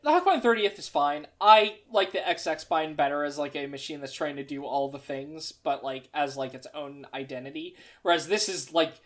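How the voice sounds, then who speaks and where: A woman's voice: sits low, moderate pace, hardly any pauses. A woman co-hosting a casual chat show, rambling through details with plenty of fillers and flashes of exasperation. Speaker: podcast co-host. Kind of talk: casual chat about mecha designs.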